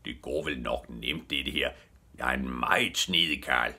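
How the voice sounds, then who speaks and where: A man's voice: a bass voice, sharp tone, slightly rough, voice pushed down, exaggerated voice. A man voicing a sly, pompous male swindler in a children's story. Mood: smug.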